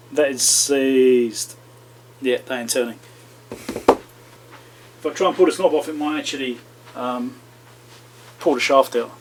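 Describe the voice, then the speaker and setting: A man's voice: medium pitch, slow, long pauses, slight background noise. A man hosting a repair video, casually talking himself through the work with chatty asides to viewers. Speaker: electronics repair channel host. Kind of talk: casual running commentary while repairing.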